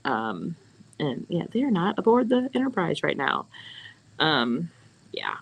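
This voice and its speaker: Low, gravelly-voiced woman chatting. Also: sing-song, unhurried. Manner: chatty, playful, puts on voices in quotes. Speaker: co-host of a live bead shop stream. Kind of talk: casual chat while stringing beads.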